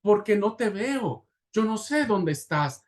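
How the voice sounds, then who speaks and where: A man voicing a frightened little boy trapped in a fire, in a pleading, high childlike voice during a preaching class. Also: sing-song, slow pace, exaggerated voice.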